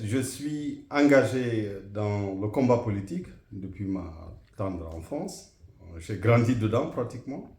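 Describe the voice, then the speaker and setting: A middle-aged man from Guinea, answering interview questions in a measured, formal way with frequent hesitations. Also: lowish voice, darkish tone, reverberant. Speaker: interview guest, association president.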